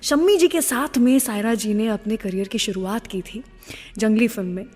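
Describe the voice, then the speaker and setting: A woman's voice: a little high, normal speed, a little mellow, soft background music. A woman with an Indian accent presenting a radio show, chatting and telling stories in a gushing manner and slipping in English phrases. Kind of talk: chatty radio presenting with film-star anecdotes. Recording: long reverb on the voice.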